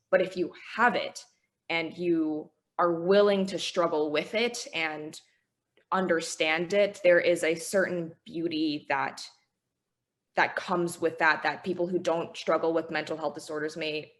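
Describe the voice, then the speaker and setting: Woman, twenties, Chinese first language, deep-pitched, thoughtful guest. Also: fairly even intonation, unhurried, a bit bright. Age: 20s. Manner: earnest, reflective, with small laughs. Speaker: guest author. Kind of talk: interview conversation.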